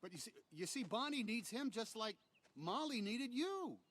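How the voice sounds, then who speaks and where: A man playing an earnest, easily flustered cowboy rag-doll toy in an animated film, with an eager, stammering, pleading delivery. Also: extremely high pitch, normal speed, full character voice.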